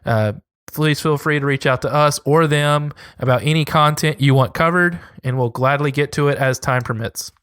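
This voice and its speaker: A man co-hosting a podcast, talking in a loose, rambling, friendly way. His voice is smooth and even, with a close, dry sound and no room echo. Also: on the high side, normal speed. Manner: rambling, friendly, plugs social handles. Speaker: podcast co-host. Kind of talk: casual podcast sign-off chat.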